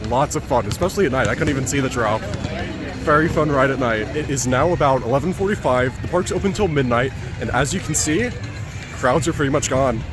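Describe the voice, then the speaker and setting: A man's voice: medium pitch, expressive, fairly quick, music in the background. A man in a casual vlog, touring an outdoor amusement park and giving short, upbeat remarks to a handheld camera. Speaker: theme park vlogger.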